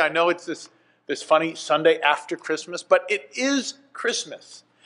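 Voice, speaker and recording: A man's bright, sharp tone at a moderate pace. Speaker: minister giving announcements. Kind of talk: church announcements. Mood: warm, upbeat. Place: church.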